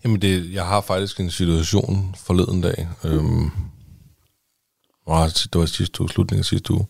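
A man co-hosting a podcast, casually telling a lively anecdote with acted-out dialogue and some swearing. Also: low voice, vocal fry, dry recording, clean studio sound. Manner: animated storytelling, swearing, acting out dialogue. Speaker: podcast co-host. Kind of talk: casual chat.

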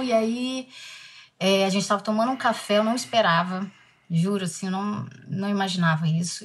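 Husky-voiced Brazilian woman, reflective. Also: mid-range voice. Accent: Brazilian Portuguese. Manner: reflective, tells a painful memory softly. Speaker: actress interviewee. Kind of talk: emotional interview talk.

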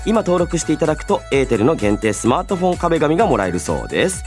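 Talking quickly in a voice on the high side, a man hosts a radio program with music playing behind him. He keeps things lively, playful and polite, alternating between jokey chatter and announcements.

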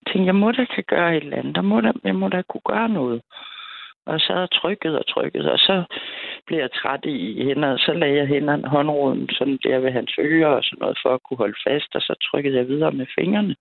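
Over a tinny telephone line, a caller to a late-night radio show chats her way through a story, laughing between sentences. She has a low, gravelly voice, recorded with no room sound.

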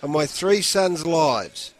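A man's voice: on the high side, lively intonation, slow, crowd noise. A man co-hosting a radio show, teasing and laughing through casual banter.

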